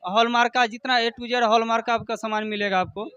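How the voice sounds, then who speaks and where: A man being interviewed as a shop owner, giving a repetitive promotional sales pitch that lists selling points. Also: fairly even intonation, a little fast, bright, forceful tone, clean tone, dull audio.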